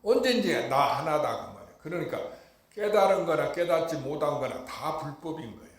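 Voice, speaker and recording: A man's voice: on the high side, expressive, normal speed. Man, Buddhist monk, rhetorical questions, reverberant dharma hall. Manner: emphatic, rhetorical, keeps asking the hall if they understood. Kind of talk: Dharma talk. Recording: echoey hall.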